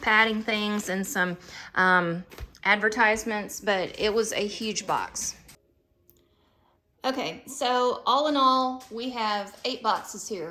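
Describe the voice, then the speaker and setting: On a very clean recording with a silent background, a woman with a Southern US accent speaks at a very slow pace, leaving long, frequent pauses. Her fairly high pitch shows ordinary variation. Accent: Southern drawl. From US South. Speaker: YouTuber. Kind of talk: unboxing video.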